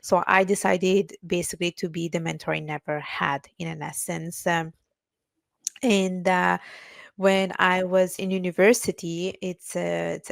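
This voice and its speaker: A woman's voice: on the low side, vocal fry, no echo. A woman from Italy, a finance professional and mentor, answering interview questions earnestly, with many fillers and restarts.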